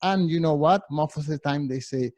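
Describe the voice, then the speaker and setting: A middle-aged man with a Spanish accent presenting a workshop over a video call, often restarting words and filling pauses. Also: on the high side, darkish tone, no room sound. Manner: halting, many restarts and fillers. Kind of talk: workshop talk.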